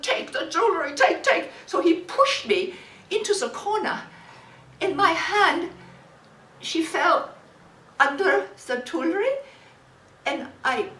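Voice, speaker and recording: A woman acting a war widow, speaking broken, halting English and often hunting for words. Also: very high-pitched, a bit bright, exaggerated voice. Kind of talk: dramatic monologue. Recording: echoey room, distant mic, faint hiss.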